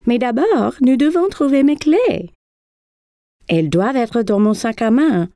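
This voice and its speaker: A woman playing a cheerful, encouraging young mother in a children's cartoon, gentle and full of exclamations. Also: on the high side, lively intonation, measured pace, dry recording, studio quality. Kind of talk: children's cartoon dub acting. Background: children's music.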